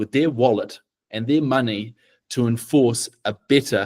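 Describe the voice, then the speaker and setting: In a very clean recording with a silent background, a man with a New Zealand accent talks fairly slowly at a fairly high pitch. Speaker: team presenter at a coding event. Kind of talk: presentation. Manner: deliberately slow.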